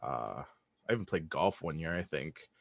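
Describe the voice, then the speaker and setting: A man's voice: a bass voice, lively intonation, normal speed, creaky, no echo, clean studio sound. A man being interviewed as a guest, speaking casually and reflectively in a hesitant, self-deprecating way. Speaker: interview guest, audio drama writer.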